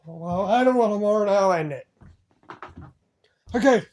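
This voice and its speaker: A man's voice: high voice, measured pace, a little mellow. A man voicing toy figures in silly improvised banter, playful and rambling. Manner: playful, rambling, switches between silly voices. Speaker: fan video voice actor for toy figures.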